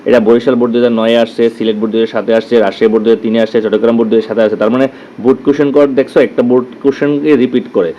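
A man with a Bangladeshi Bengali accent teaching an exam-prep lesson. He repeats each term slowly and checks in with "clear?". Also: mid-range voice, little pitch movement, highs cut off, a little hiss or hum. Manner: drills terms, repeats words slowly, asks "clear?".

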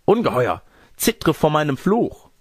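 Ein Mann spricht eine hochmütige, empörte alte adlige Großmutter in einem Märchen, würdevoll und protestierend. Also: male voice, lowish voice, big pitch swings, fairly quick, gravelly, darkish tone, husky, no room sound, heavily acted. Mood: outraged. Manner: prim, dignified, protesting. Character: haughty, indignant old noble grandmother.

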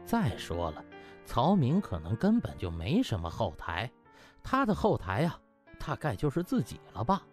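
A man's voice: mid-range voice, huge pitch swings, moderate pace. A man narrating an audiobook in a dramatic, colloquial storytelling style, theatrical with rhetorical questions and exclamations. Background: background music.

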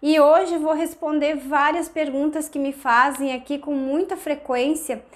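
A woman in her thirties with a high, slightly hoarse voice, recovering from a cold. She talks casually and warmly to camera, gesturing as she explains, recorded on a lapel mic in a small indoor room. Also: fairly even intonation, a little slow. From southern Brazil. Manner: chatty, explains with hand gestures. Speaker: orchid-growing channel host. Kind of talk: casual tutorial talk to camera. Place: indoor room with tiled wall and orchids.

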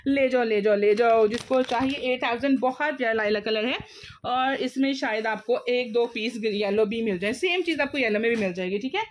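High-pitched Pakistani woman, overeager sales pitch. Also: moderate pace, a little hiss or hum. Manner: overeager, repetitive, exclamatory pitching. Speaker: live online clothing seller. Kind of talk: live teleshopping sales pitch.

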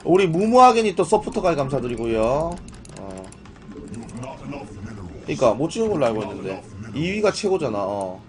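A man with a strained, poor-condition voice hosts a gaming live stream, chatting informally and often asking his viewers questions. His voice sits on the high side and is sing-song, at normal speed with long pauses. Music plays behind him, along with keyboard typing and a noisy background.

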